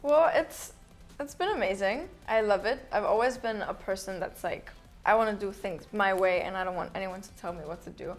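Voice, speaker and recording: A woman's voice: mid-range voice, fairly quick, soft background music. A young woman from Finland, a singer, answering interview questions in a casual, upbeat way with frequent laughs and lots of "like". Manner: upbeat, laughs often, says "like" a lot.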